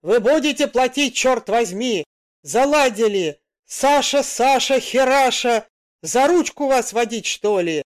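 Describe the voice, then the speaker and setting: A woman's voice: fairly high pitch, expressive, measured pace. A woman doing a roaring, fed-up bus driver. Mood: furious. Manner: roaring, exasperated. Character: gruff angry male bus driver.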